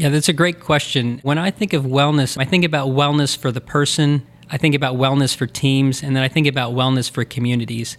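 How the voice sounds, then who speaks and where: With an American accent and an unremarkable speaking voice, a man talks at a fairly quick pace with hardly any pauses, his pitch fairly high and his intonation fairly even. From US Midwest, Cincinnati, Ohio. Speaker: physician and associate dean. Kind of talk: interview conversation.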